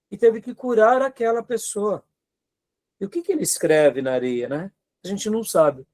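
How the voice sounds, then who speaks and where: Brazilian male seminary teacher, high-pitched, exhorting and earnest, lecture delivery. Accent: Brazilian Portuguese. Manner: earnest, exhorting, asks rhetorical questions, frequent tag questions.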